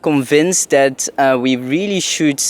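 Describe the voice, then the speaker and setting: Clear-voiced young man. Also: mid-range voice, slow pace. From Netherlands. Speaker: interviewee. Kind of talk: conference vox-pop interview.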